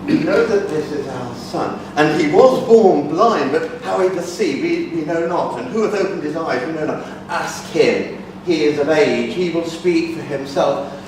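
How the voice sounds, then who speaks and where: A man's voice: on the high side, measured pace, few pauses, lightly acted. A man voicing the blind man's anxious, evasive parents in a dramatic scripture reading. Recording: echoey hall from far off, background noise.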